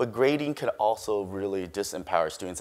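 Speaking fairly quickly in a Chinese accent, a man uses lively intonation at a fairly low pitch. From immigrated to US as child from Chinese-speaking country. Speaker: school superintendent. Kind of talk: conference keynote. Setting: stage with audience. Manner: casual, conversational with filler words. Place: stage. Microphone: lapel.

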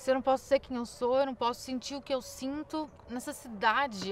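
A woman talks in a high pitch at a moderate pace. The sound is dry with no echo, over light background noise. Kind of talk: acted film dialogue. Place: garden.

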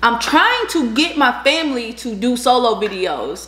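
A woman is speaking. Room echo is audible. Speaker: vlogger. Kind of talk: casual vlog chat. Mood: warm, affectionate. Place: home room. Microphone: phone near.

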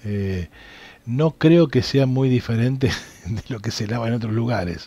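A man's dark, mellow tone at a fairly slow pace, with a dry sound and no echo. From Argentina. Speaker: political speaker and historian; speaker. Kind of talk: lecture with audience Q&A. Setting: live stream. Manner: hesitant, many fillers. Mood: calm, critical. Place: home room. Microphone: headset.

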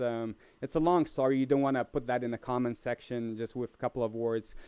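A man's voice with fairly even intonation over a quiet background. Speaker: YouTube channel host and brass musician. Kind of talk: live stream chat. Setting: live video stream. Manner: halting. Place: home room. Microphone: studio mic.

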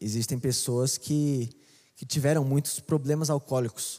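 Over a quiet background, a man with a dark, mellow tone talks at a fairly slow pace with ordinary pitch variation. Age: 20s. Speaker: youth church worker, preacher; preacher. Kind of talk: sermon. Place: church. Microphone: handheld.

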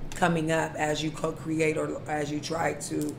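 The voice holds a monotone, flat intonation over noticeable background noise. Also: woman. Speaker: card reader. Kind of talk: casual reading commentary. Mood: relaxed, candid, profane. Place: home room. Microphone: webcam.

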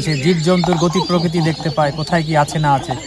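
Loud background noise surrounds a man speaking in a high pitch with fairly even intonation. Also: dry sound with no echo. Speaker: travel vlogger. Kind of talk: travel vlog narration to camera. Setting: outdoors in a safari vehicle. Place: open country. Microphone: lapel.

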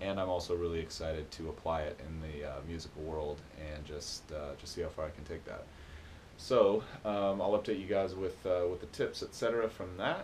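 Somewhat breathy speech at a moderate pace swings a lot in loudness over light background noise. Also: man, very deep, low pitch for a man, ordinary pitch variation. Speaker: music vlogger and guitarist. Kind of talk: casual vlog monologue. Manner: upbeat, enthusiastic. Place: home room. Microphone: camera far.

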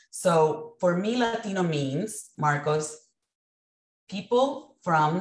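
A woman speaks with a Spanish accent. Audible room echo surrounds her voice. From Puerto Rico. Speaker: writer and journalist. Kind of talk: panel discussion. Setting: video call. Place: home room. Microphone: video call.

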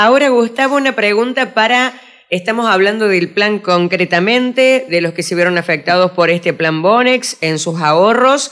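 A woman talks with lively intonation at a moderate pace, the background quiet. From Argentina. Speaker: radio host. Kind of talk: radio interview. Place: studio. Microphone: studio mic.

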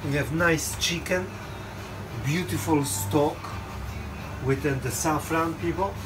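With music playing behind, the speech moves at a fairly slow pace. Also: man. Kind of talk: cooking tutorial chat. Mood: cheerful, upbeat. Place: kitchen. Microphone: phone near.

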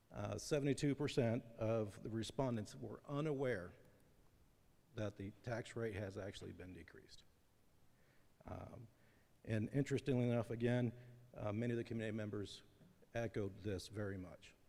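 A man mumbles at a medium pitch in a dark, mellow tone. His loudness swings widely, with long, frequent pauses. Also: ordinary pitch variation, moderate pace. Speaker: community committee member presenting to school board. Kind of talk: committee presentation at public meeting. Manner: mumbling; hesitant, many fillers. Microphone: too quiet, far from mic early on.

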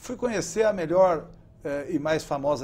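A man is speaking. His voice has vocal fry. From Brazil, São Paulo state interior (Santa Fé do Sul); São Paulo state, Brazil. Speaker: state legislator; politician guest. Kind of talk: interview. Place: studio. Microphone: lapel.

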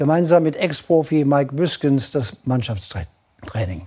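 Dark, mellow tone from a man, set against a quiet background. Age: 60s. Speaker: news anchor. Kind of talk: TV news read. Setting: studio. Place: studio. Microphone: lapel.

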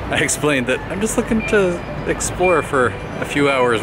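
Over music in the background, a man talks with a dry sound and no echo. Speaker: travel vlogger. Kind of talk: casual vlog chat. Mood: curious, upbeat. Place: street. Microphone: phone near.

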